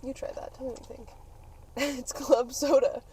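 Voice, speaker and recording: A woman's voice: sits high, steady tone, moderate pace, darkish tone. A woman podcast host chatting casually in a playful, giggly, talkative way. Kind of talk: casual chat. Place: on the go, around parking lot and car. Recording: noisy on-location recording with vehicle ambience. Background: clear ambient and vehicle noise.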